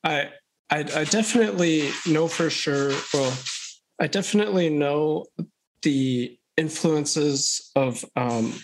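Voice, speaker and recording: A young man from Thailand, a podcast guest, talking in a slow, hesitant, thoughtful way with many restarts. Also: fairly high pitch, noisy background. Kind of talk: casual interview chat.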